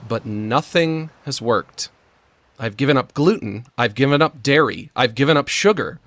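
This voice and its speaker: Male streamer, squeaky and breathless; slurred, lisping delivery with stammers, slow self-mocking pace. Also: fairly bright tone. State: short of breath, gasping before sentences. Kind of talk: prerecorded monologue.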